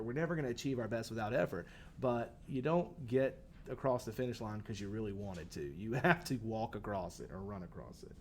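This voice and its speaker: Over slight background noise, a man with a medium-pitched, darkish voice lectures his class on a short story. His style is casual and conversational, full of fillers and restarts.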